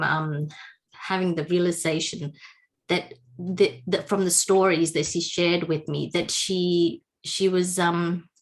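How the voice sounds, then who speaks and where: Soft-spoken woman, lowish voice. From Indonesia. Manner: warm, searching for words, frequent laughs and fillers. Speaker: guest. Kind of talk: personal storytelling in interview.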